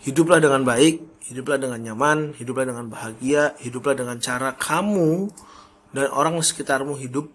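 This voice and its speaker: A man's voice: medium pitch, moderate pace. A young man hosting his own podcast in a casual solo monologue, chatty and often correcting his own slips with a laugh. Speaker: podcast host.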